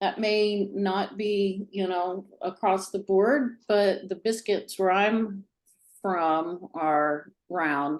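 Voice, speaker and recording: Ordinary pitch variation marks this very slow delivery. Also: woman, medium pitch for a woman. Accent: Southern US. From US South. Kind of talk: casual chat. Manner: halting.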